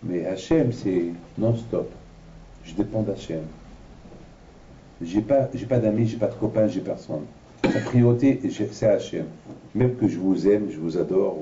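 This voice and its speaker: A man with a very mellow, dark voice delivers a Torah lesson, slipping into lively storytelling. He sounds set back from the mic in a roomy hall. The recording is dull and lo-fi. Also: lowish voice. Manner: animated storyteller, acting out voices in his anecdotes. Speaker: rabbi teaching a class. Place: large room at an evening lecture. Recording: dull, lo-fi, from a distance in an echoey room.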